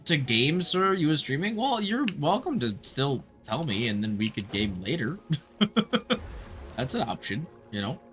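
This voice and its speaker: Animated, casual game streamer. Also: medium pitch, measured pace. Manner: informal, expressive, swears freely. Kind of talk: casual live gameplay commentary. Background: game music.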